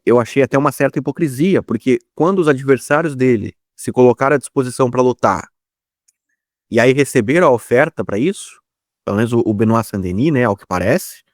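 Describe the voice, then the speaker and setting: A man's voice: medium pitch, no room sound. Male Brazilian co-host, opinionated sports commentary in conversational delivery, mid-range voice, dry recording.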